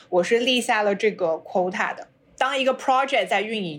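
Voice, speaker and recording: A woman with a fairly high pitch and lively intonation has an unremarkable speaking voice. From northern Jiangsu, small town. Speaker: podcast co-host, guest. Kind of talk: casual chat.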